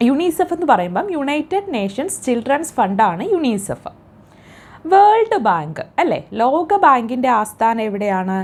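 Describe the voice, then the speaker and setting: A woman with a Malayali accent teaching exam facts, asking questions and answering them herself with steady repetition. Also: mid-range voice. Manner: coaxing, checks the listener with "kēṭṭō" and "allē". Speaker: exam tutor. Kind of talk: spoken quiz lesson.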